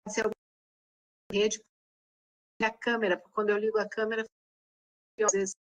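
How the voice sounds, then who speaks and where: A woman teacher speaking on a video call whose audio keeps breaking up and dropping out, her phrases halting and cut short. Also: mid-range voice, level tone, rough recording. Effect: glitchy audio that keeps cutting out. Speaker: teacher asking a question in an online class. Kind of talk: casual remarks on a video call. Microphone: video call from home network.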